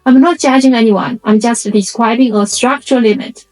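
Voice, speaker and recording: A woman from China with a Chinese accent and a Chinese dialect as her first language, narrating a reflective scripted video essay in measured, explanatory short phrases. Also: fairly high pitch, darkish tone, rough recording.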